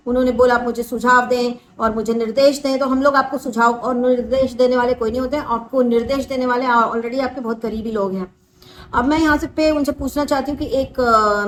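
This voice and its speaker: A young woman hosts a reaction video and talks through the case in earnest commentary. Her voice sits high, and she mixes Hindi with English phrases as she goes. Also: a little hiss or hum, rough recording. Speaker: host of a reaction channel.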